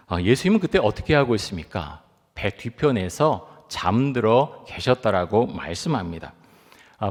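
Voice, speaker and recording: A middle-aged male pastor delivering a Sunday sermon, reading scripture slowly and putting rhetorical questions to his congregation. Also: medium pitch. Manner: reads scripture aloud slowly and deliberately. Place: church sanctuary. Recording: long church hall reverb.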